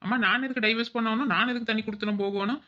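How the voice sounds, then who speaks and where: Brief: a performer doing a fast-talking, whiny young village daughter-in-law, mid-pitched, on a dull lo-fi track. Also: steady tone, natural voice. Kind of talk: cartoon voice acting. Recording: dull lo-fi recording.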